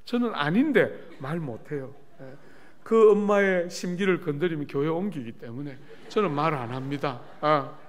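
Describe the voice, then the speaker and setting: A middle-aged man preaching at a church revival service, telling lively stories and often turning to the congregation with questions. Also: fairly high pitch, moderate pace. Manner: animated storytelling with asides to the congregation. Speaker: pastor. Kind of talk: revival sermon. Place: church sanctuary.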